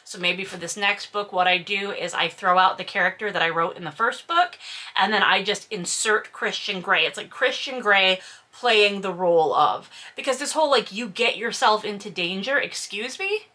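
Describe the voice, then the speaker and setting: A woman's voice: medium pitch, moderate pace, sharp tone. A woman hosting a book read-aloud, breaking into casual, sarcastic and emphatic commentary with some swearing. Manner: sardonic, incredulous, emphatic.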